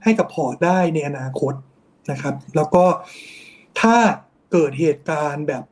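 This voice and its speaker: At a normal speed, a man with a darkish voice on the high side explains bond markets. As an investment strategist, he weaves English finance terms into the commentary, and polite particles frequently close his sentences.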